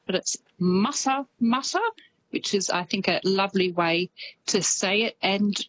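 A woman's voice: medium pitch, unhurried, husky, low-quality recording. A woman correspondent with an Australian accent touched by New Zealand, chatting easily on radio and laughing often. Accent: Australian with some New Zealand.

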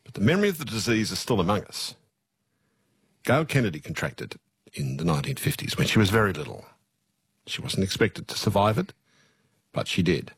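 A man hosts a radio interview in a very low, slightly husky voice. His pitch moves in a lively way as he asks gentle questions and laughs easily. The sound is dry and close. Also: brisk, long pauses, dry recording.

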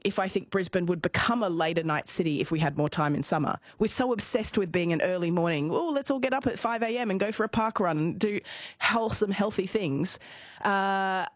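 An Australian woman with a slight cold and a croaky voice, a radio panel guest who hesitates and restarts often. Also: mid-range voice, no room sound. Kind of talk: casual radio panel chat.

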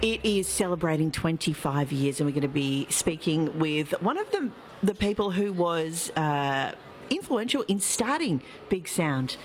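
A woman's voice: sits low, sing-song, a little hiss or hum. A woman with an Australian accent hosting live local radio from an outdoor show, chatty and upbeat. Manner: chatty, upbeat, reads quiz clues slowly. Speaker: radio presenter.

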